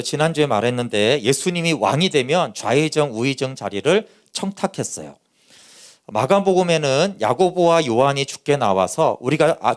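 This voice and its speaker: A man who is a pastor preaching a Sunday sermon, lively and conversational, often acting out what people said. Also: medium pitch. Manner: animated preaching that acts out quoted speech.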